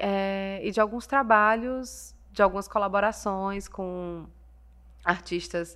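A woman's voice at a very slow pace, with ordinary pitch variation, on a very clean recording with a silent background. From Fortaleza, Ceará, Brazil. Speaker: visual artist. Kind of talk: interview.

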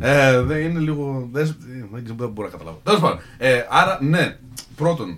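Using a normal speaking voice, a man with a fairly high pitch talks at a moderate pace with lively intonation and big swings in loudness. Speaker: podcast co-host. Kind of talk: casual chat.

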